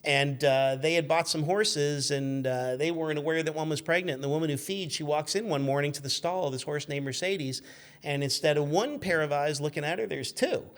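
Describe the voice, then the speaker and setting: A man in his fifties telling anecdotes in an animated, chatty way as a podcast guest. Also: on the high side, brisk. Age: 50s. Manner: chatty, acts out quoted shouts. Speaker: podcast guest, magazine editor.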